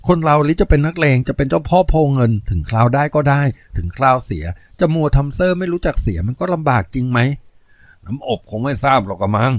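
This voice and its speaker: A man's voice: medium pitch, animated, quick pace, dry recording, studio quality, lightly acted. A man voicing a scheming, lustful gangster boss in a spoken novel, sly and complaining. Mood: smooth persuading.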